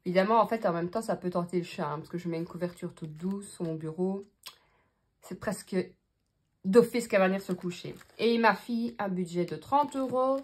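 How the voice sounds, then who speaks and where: Belgian woman chatting through her budget, lots of euh, thinks out loud. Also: mid-range voice, brisk. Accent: Belgian French. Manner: chatty, thinks aloud while counting money, many fillers. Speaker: budgeting vlogger. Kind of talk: casual talk to camera.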